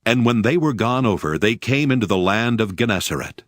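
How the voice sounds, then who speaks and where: A man's voice: lowish voice, lively intonation, a little fast, fairly bright tone, no echo. A man narrating scripture in a dramatic, scripted audiobook style.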